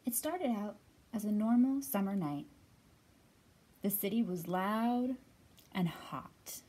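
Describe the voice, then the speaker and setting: A woman's voice: mid-range voice, expressive, slow pace, warm tone, breathy edge. A woman in her thirties hosting a storytime for young children, speaking expressively as she talks and reads aloud. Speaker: children's library storytime host. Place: library room with bookshelves, indoors.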